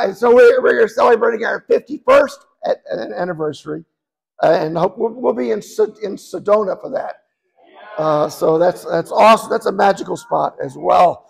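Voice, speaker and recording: A guest preacher in his seventies delivers a sermon in a raspy, hoarse voice thick with gravel and vocal fry, pitched fairly high for a man. He rambles through warm, self-deprecating asides between points, and the recording quality is low.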